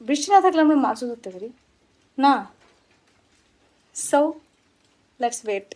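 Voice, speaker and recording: A woman's voice: high-pitched, lively intonation, slow, darkish tone. A young woman chats casually and expressively for a vlog, mixing in some English words. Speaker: vlogger. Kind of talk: casual vlog chat to camera and companion.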